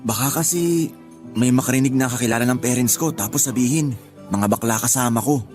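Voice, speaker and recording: A man's voice: medium pitch, a little fast, darkish tone, close to an everyday voice. An actor playing an uptight, closeted young gay man who grumbles reluctantly, in a Tagalog radio drama. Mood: nervous, irritated. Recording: music bed behind the voice.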